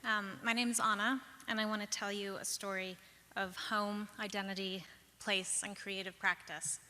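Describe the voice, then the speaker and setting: A young woman from the Pacific Northwest telling a personal story on stage, measured and reflective, with lilting pauses. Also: mid-range voice, level tone, bright, forceful tone. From Pacific Northwest, USA. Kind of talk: personal story told live. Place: large hall, live stage. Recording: long hall reverb.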